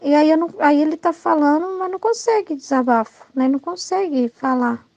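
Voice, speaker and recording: A woman's voice: sits high, a little fast, gravelly, a little mellow, no room sound, dull audio, soft background music. A Brazilian woman giving informal Catholic spiritual teaching, talking conversationally, often adding "né?" and acting out quoted thoughts. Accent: Brazilian Portuguese.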